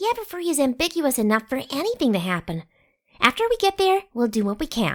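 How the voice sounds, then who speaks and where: A female-sounding, put-on character voice runs at a very fast pace. It is high-pitched, with very wide pitch swings. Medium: audio drama. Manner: earnest, articulate.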